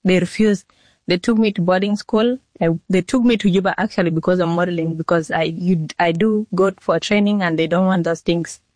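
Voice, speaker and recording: A nineteen-year-old woman from Sudan, answering interview questions in a halting way with restarts. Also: lowish voice, fairly even intonation, a little mellow, dry recording. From South Sudan. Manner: halting, repeats herself and restarts sentences. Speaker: model being interviewed.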